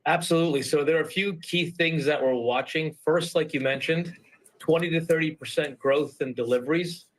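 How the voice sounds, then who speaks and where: Analyst guy on a business tv interview, a bit higher voice, measured and methodical. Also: rough recording. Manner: measured, explains point by point. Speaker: market analyst guest.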